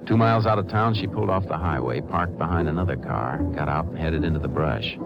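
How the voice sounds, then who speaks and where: An actor playing a shrewd, steady Texas Ranger with a laconic, folksy manner in a 1950s radio drama. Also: male voice, very deep voice, dull audio, loud music behind the voice. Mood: measured narration. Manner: laconic, folksy, unhurried authority. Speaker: lead actor and narrator. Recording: noisy vintage radio recording.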